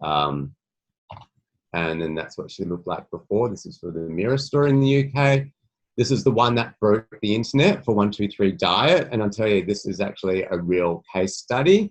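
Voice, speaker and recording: In an Australian accent, a man speaks at a moderate pace with a fairly low pitch. His voice makes very wide pitch swings. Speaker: PR specialist. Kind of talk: webinar presentation.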